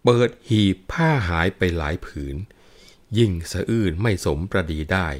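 A man reciting classical narrative verse in a melodic, drawn-out chant, stopping now and then to explain the story in plain speech. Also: low-pitched, expressive. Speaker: reciter and teacher of classical poetry.

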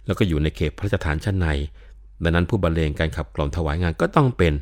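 An older man lectures on classical literature in a deep, low voice. He explains patiently and often adds polite particles. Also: fast talker. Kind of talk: explanatory talk.

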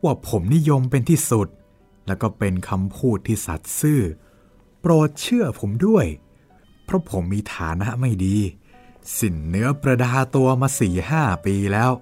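Earnest broke suitor, polite and pleading, lively up-and-down delivery, acted by a man with soft music. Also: medium pitch, moderate pace. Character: earnest down-on-his-luck man, courting suitor.

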